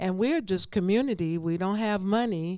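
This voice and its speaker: With a Southern US accent, a woman talks at a moderate pace and with ordinary pitch variation on a very clean recording with a silent background. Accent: US South. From Columbus, Georgia. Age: 70s. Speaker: radio personality and community organizer. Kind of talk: casual interview.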